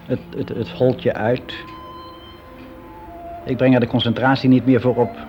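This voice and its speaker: A man's voice: mid-range voice, little pitch movement, moderate pace, lo-fi sound, soft background music, close to an everyday voice. An actor playing a lonely, self-deprecating middle-aged gay man, confiding hesitantly in a naturalistic radio drama monologue. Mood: weary, complaining. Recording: very noisy radio play recording.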